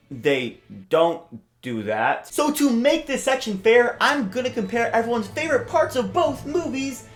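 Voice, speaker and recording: A woman narrates a casual video commentary with a very lively, swooping delivery. She is sarcastic and self-deprecating, sometimes tripping over a word, and music plays behind her. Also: medium pitch. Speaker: video essay host. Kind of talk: casual scripted commentary with joking asides.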